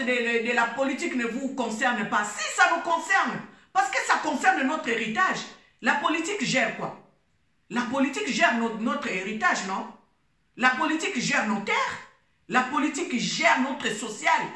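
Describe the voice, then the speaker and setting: Congolese woman gospel singer, fervent preachy talk, bright forceful voice, roomy echo. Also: high voice. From Democratic Republic of the Congo. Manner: emphatic, preachy, repeats phrases, mixes French and Lingala. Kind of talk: impassioned religious exhortation.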